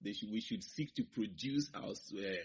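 A man, a linguistics professor answering interview questions in a measured way, setting out his points one by one and closing firmly. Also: on the low side, breathy edge. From Ghana. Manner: measured, lists points in order, firm conclusions. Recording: slightly muffled broadcast audio.

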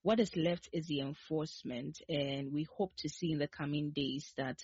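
A woman co-host with a breathy, husky tone and a mid-range voice gives a steady summary. The recording is dry and close, and the sound is slightly dull. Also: sits low, normal speed, no room sound. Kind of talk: brief wrap-up report. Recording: dry, slightly muffled broadcast audio.

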